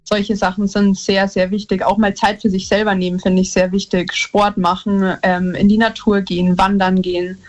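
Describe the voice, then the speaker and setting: A woman's voice: medium pitch, level tone, moderate pace, few pauses, a little mellow. Young bavarian-born woman on a call-in, friendly, bit muffled phone line. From Upper Bavaria, Germany. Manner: friendly, laughs lightly, hesitant fillers. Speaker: caller. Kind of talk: phone-in conversation. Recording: slightly dull phone-in line.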